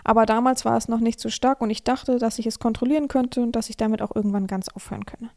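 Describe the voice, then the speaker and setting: Hoarse woman, frank podcast host. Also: a little high, steady tone, fast, warm tone. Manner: frank, advising listeners directly. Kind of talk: casual podcast monologue, reading a listener's letter aloud.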